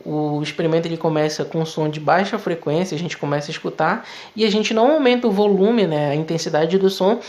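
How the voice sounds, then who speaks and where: Chatty male physics teacher explaining. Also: high voice. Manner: conversational, explaining step by step with frequent tag questions. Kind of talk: video lesson.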